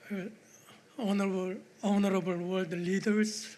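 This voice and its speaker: This man's voice sits high for a man and stays monotone and flat. He talks at a fairly slow pace. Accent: Korean. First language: Korean. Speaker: professor emeritus, climate scientist. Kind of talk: conference presentation.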